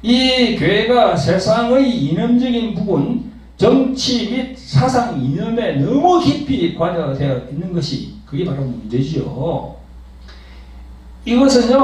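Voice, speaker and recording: A man's voice: high-pitched, big pitch swings, unhurried, recorded from a distance. A man preaching a sermon as pastor, emphatic and full of rhetorical questions, addressing the congregation and online subscribers. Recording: echoey hall, voice from afar.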